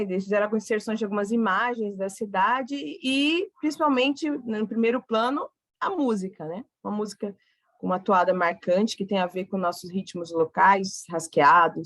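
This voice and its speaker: Halting Brazilian woman lecturing. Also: medium pitch, a bit bright, dry recording. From Cuiabá, Brazil. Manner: hesitant, restarts phrases. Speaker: guest lecturer. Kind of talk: academic talk to an audience.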